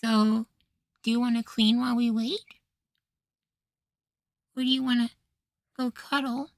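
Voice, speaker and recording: A man playing an affectionate, easily flustered young femboy househusband in an intimate ASMR roleplay, speaking in a soft, feminine, coaxing way. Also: very high-pitched, level tone, measured pace, vocal fry, no room sound, clean studio sound, full character voice. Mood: soft, reassured. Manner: coaxing, gently praising, sweetly apologetic.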